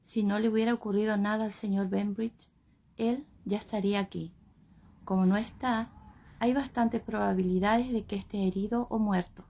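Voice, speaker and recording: A woman reading as a calm wounded Scotsman. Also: medium pitch, lightly acted. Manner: quiet, calm, reasoning tone. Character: wounded Scottish man, patient and firm.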